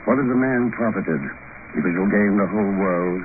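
A man playing a steady, self-assured investigator hero in old-time radio drama, firm and unflustered. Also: on the low side, brisk, lightly acted. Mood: grave. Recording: tinny, noisy old radio recording.

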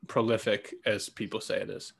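A man's voice: fairly low pitch, flat delivery, moderate pace, gravelly, a bit bright, slightly rough. Man, mild canadian accent, podcast co-host, teasing, rambling, casual. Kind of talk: casual banter.

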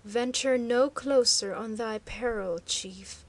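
A woman's voice: fairly high pitch, steady tone, unhurried. A woman doing an icy, stern guard captain. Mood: stern cold. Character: cold, proud male master of guards.

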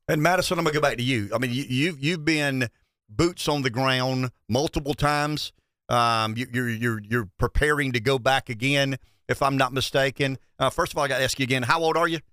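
A man with a thick deep South accent hosting a conversational interview, folksy and repeating words as he builds his questions. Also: fairly quick, pushed and bright, no echo, studio quality. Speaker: radio host, interviewer.

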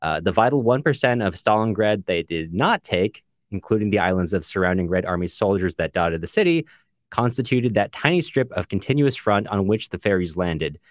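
Man, low pitch, dry booth sound, casual podcast co-host, discursive explainer. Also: expressive, a little fast, no room sound. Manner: discursive, explanatory, with many asides. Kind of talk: casual book discussion with quoted readings. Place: recording booth.

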